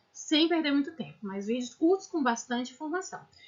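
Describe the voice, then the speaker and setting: A woman's high-pitched, lively voice at a fairly quick pace. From Brazil, Federal District. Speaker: education teacher. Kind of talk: educational tutorial. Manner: fast.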